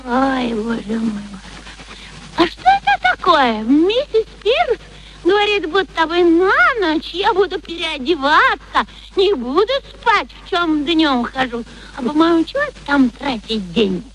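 A woman's voice: high voice, big pitch swings, a little slow, a bit bright, slight background noise, heavily acted, low-quality recording. An actress playing a brash, naive young flower girl with uneducated, exclamatory chatter in a radio play. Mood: excited chatter.

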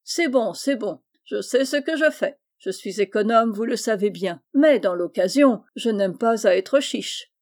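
A woman's voice: mid-range voice, animated, measured pace, hardly any pauses, darkish tone, lightly acted. A woman reading the part of a hearty, generous older male farmer in a storybook, jovial and exclaiming.

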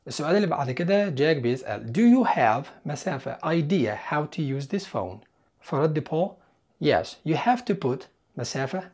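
Male teacher with an Egyptian accent, a bit high-pitched, lively explainer who quizzes his listener. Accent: Egyptian Arabic. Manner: lively, asks the listener questions and answers them himself; repeats English example sentences slowly. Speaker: English teacher. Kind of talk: explanatory lesson.

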